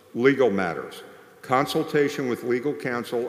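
A man's voice carries audible room echo. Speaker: council chair. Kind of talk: formal reading of official notice. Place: hall. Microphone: podium.

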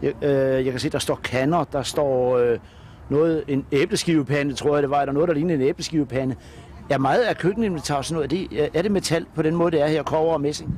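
This man has an unremarkable speaking voice, fairly high in pitch. He moves at a fairly quick pace with ordinary pitch variation. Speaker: TV reporter. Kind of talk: on-location reporting. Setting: outdoors.

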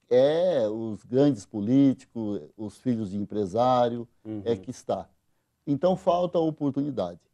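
Over a quiet background, a man with a medium-pitched, dark, mellow voice speaks fairly slowly, with big swings in loudness. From Brazil. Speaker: state legislator; interview guest. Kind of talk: studio interview; interview answer. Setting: studio. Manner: halting. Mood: earnest, measured. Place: studio. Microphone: lapel.

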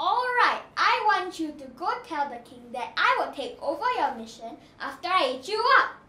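A put-on character voice at an extremely high pitch with very wide pitch swings, a moderate pace, hardly any pauses, and audible echo. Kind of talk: children's storytelling, comic overacting. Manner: greedy, gruff, impatient.

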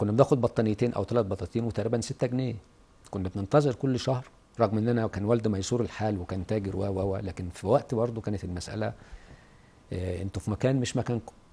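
Somewhat breathy and dark, mellow in tone, a man's fairly low voice moves at a fairly quick pace. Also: ordinary pitch variation. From Egypt, Port Said; Egypt. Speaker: novelist and short story writer; guest. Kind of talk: TV interview. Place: studio.

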